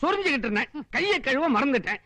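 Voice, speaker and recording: Brief: greedy sly guest, high musing voice, film comedy. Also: male voice, very animated, quick pace, sharp tone, heavily acted. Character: greedy sly houseguest man, fussing about food.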